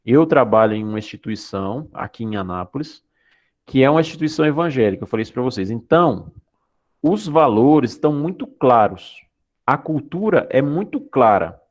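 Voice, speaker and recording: A man's voice: medium pitch, expressive, normal speed, a little mellow. A man from Goiás, Brazil, teaching an online class in an explanatory way, often checking in with his students. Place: Anápolis, Brazil.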